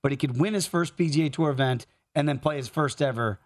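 A man's voice: a little high, fast talker, dry recording, clean studio sound. A man hosting a live sports betting talk show.

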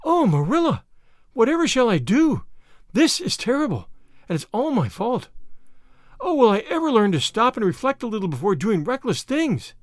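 A man's voice: high-pitched, very animated, a little fast, no echo, studio quality. A man voicing a young imaginative girl, impulsive and dramatic, speaking in a breathless, distressed way. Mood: distraught.

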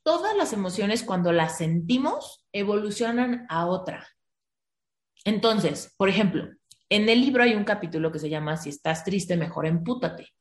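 A woman's voice: mid-range voice, expressive, normal speed. A Mexican woman giving emotional advice in a frank, emphatic way, swearing casually as she talks. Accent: Mexican Spanish. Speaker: author and advisor. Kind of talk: conversational advice. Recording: roomy echo.

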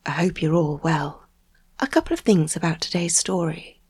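Lowish croaky-voiced woman narrating true crime. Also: animated, normal speed, a little mellow, no echo. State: croaky voice in parts. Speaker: podcast host and narrator.

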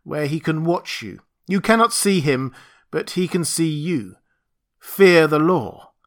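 A man voicing a commanding man who proclaims law to beasts in an audiobook story, declaiming slowly with authority. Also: mid-range voice, fairly bright tone, dry recording, clean studio sound, close to an everyday voice.

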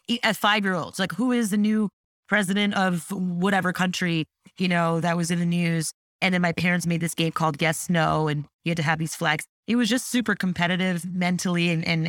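On a casual podcast, an entrepreneur guest from Canada, French being her first language, talks in a chatty, animated way with frequent "like" and "you know." She has a fairly low pitch, and the recording is dry and studio quality.

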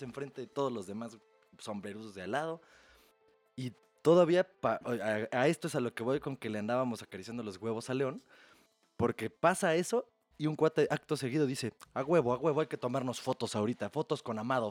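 A man with a Mexican accent tells a story at a mid-range pitch, loaded with slang and swearing. He acts out the other people in it with lively energy. Faint music plays under his voice. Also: no room sound. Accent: Mexican Spanish. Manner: crude slang-heavy, animated retelling. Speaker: podcast host. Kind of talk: casual storytelling chat.

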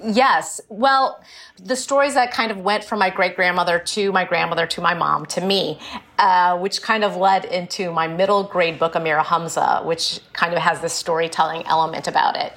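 Low-voiced woman author chatting frankly. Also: steady tone, normal speed, a bit bright. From born in India, raised in Illinois. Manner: chatty, frank and explanatory, with light laughs. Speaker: author guest. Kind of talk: casual interview conversation.

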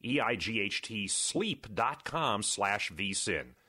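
A man reading an advertisement, spelling out a web address slowly and deliberately. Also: on the low side, animated, pushed and bright, husky. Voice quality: slow, deliberate spelled-out delivery. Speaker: ad announcer. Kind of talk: read advertisement.

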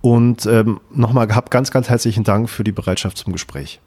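A man's voice: mid-range voice, steady tone, moderate pace, a little mellow. A man hosting a podcast interview, thanking his guest and listeners politely with hesitant fillers. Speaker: podcast host.

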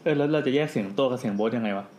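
Male podcast host, rapid banter, playful and quick to laugh. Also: mid-range voice, a loud crowd. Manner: quick, jokey, laughs often. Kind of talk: casual chat.

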